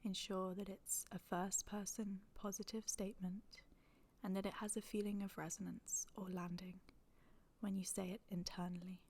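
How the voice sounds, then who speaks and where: A woman guides a relaxation practice in a hushed, breathy voice. Her intonation stays level and barely moves. She is gentle and soothing, leaving long pauses between short phrases. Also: mid-range voice, little pitch movement. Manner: soft, breathy, near-whispered delivery. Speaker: yoga nidra meditation guide. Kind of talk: guided meditation.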